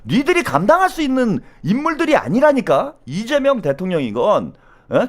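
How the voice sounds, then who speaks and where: A man hosting solo political commentary, animated and blunt, with slangy speech and constant "어?" tag questions. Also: high voice.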